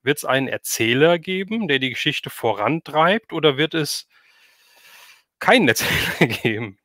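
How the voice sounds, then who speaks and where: A man's voice: a little high, animated, unhurried, pushed and bright, dry recording, clean studio sound. A man hosting a casual livestream interview, informal and thinking aloud as he puts his questions.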